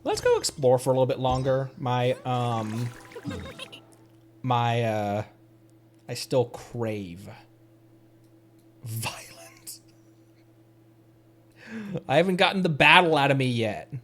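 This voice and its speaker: Man rambling casually, lively pitch. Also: normal speed, long pauses, slight background noise. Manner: rambling, thinking aloud. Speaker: video game streamer. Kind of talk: casual livestream gameplay chat. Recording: game music behind the voice. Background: soft game music.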